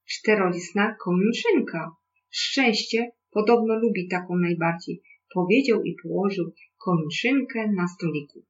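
A calm storyteller reading a children's tale aloud at a middling pitch. The recording is slightly dull and lo-fi, with a faint hum underneath. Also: unhurried.

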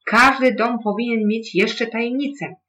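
A storyteller voicing a fussy, quick-tempered wind in a storybook read-aloud. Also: medium pitch, steady tone, bright, forceful tone, voice pushed up, close to an everyday voice. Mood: earnest. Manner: blustery, scolding.

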